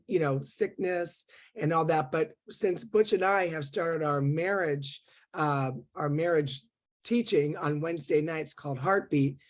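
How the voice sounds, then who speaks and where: A woman hosting a Christian interview show, upbeat and chatty with many fillers. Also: sits low. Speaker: host.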